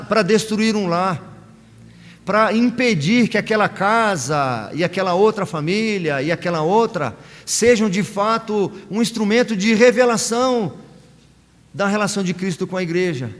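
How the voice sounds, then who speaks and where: A Brazilian man preaches a sermon in a fairly high voice. He pauses often and acts out brief quoted lines. A long church reverb trails his words. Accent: Brazilian Portuguese. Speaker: pastor. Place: church sanctuary.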